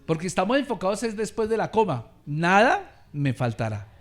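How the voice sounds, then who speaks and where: Male pastor with a high voice, preaching fervently and having the congregation repeat after him. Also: sing-song, moderate pace. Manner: preaching with rising volume and call-and-response; addresses listeners as beloved brother. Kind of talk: sermon.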